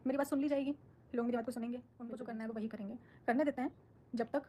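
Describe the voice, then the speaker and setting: A woman's voice: fairly high pitch, fairly even intonation, very fast, dark tone, a little hiss or hum. A woman on a live stream, answering her viewers' comments in a firm, defensive, outspoken way. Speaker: social media creator on a live stream.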